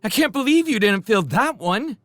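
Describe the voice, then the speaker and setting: A man's voice: very animated, measured pace, no echo, clean studio sound. A man voicing a female soldier who giggles and chats, then cries out in terror as the ground shakes. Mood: alarmed. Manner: giggly, then shrill panicked screaming. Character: female soldier Showen (Canada), chatty then terrified.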